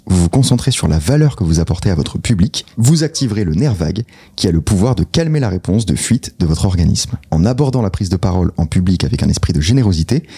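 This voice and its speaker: A man co-hosting a podcast in casual chat, teasing with deadpan self-mockery and reading out notes. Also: low voice, husky. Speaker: podcast co-host.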